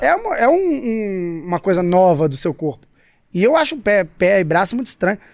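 Intonation is lively, and the sound is dry with no echo against a quiet background. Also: man, high pitch for a man, moderate pace. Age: 30s. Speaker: motivational speaker; podcast guest, speaker. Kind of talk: casual chat. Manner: halting. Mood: relaxed, reflective. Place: studio. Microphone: studio mic.

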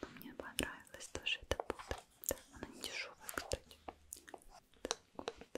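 The speaker whispers at a fairly slow pace. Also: woman. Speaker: ASMR creator. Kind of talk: ASMR makeup role play. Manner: whispered. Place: home room.

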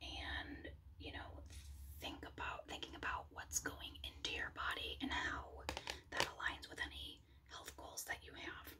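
At a fairly slow pace, a woman is whispering. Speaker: ASMR tarot reader. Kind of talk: whispered tarot reading. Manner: whispered, soft-spoken. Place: home room. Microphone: phone near.

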